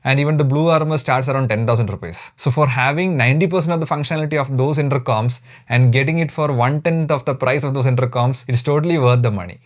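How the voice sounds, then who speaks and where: A man with an Indian accent giving a structured product review, explaining methodically point by point. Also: on the high side. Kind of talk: structured review narration to viewers.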